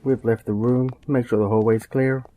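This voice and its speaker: A man's voice: mid-range voice, steady tone, normal speed, warm tone, a little hiss or hum, close to an everyday voice. An actor playing an alert male police officer in an audio drama, clipped and procedural, projecting as if reporting by radio. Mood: brisk, alert.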